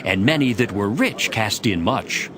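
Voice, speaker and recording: A man's voice: lowish voice, expressive, a little slow, crowd noise. A man narrating scripture from a script in a dramatized audio reading. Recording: voice over prominent background music.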